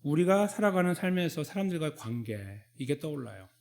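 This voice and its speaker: A man's voice: on the high side, sing-song, a little fast, gravelly, darkish tone. A man preaching a Sunday sermon as a pastor, in a conversational way, acting out short dialogues between God and the people. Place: church sanctuary.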